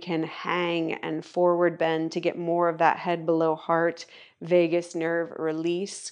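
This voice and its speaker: A woman's fairly low, fairly slow delivery in an ordinary speaking voice. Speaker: yoga instructor. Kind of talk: guided movement and breathwork class, instructing through poses. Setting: recorded practice session, no audience. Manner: brisk, directive, encouraging cues timed to breath; calm, soothing, even-paced.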